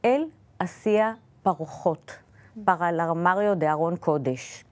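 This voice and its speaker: Israeli woman telling family stories. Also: lowish voice. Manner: careful, slightly halting non-native Spanish. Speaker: guest. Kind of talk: interview storytelling.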